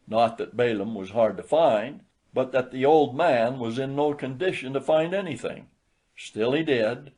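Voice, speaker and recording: A man narrating a literary short story in a measured, expressive storytelling manner. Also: mid-range voice. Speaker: audiobook narrator.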